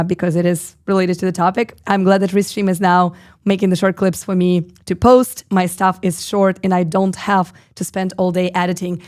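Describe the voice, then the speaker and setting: A hoarse woman in her thirties with a husky, slightly low voice hosts a live stream. She talks in a chatty, loose way, reads comments aloud and pads her sentences with fillers. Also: a little mellow. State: hoarse, lost voice. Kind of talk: casual live stream chat.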